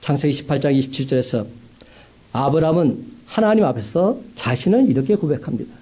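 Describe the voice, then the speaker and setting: A man preaching a sermon as a pastor, with emphatic rising climaxes and slow, stressed phrases. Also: on the high side, sing-song, mellow, breathy edge.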